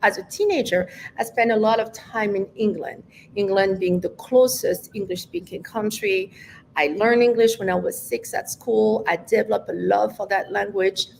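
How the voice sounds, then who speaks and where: A woman's voice: medium pitch, normal speed, gravelly, slight background noise, low-quality recording. A woman in her fifties with a French accent, a native French speaker, talking reflectively as an interview guest with frequent restarts. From France. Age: 50s. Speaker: guest, language educator. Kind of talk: conversational interview.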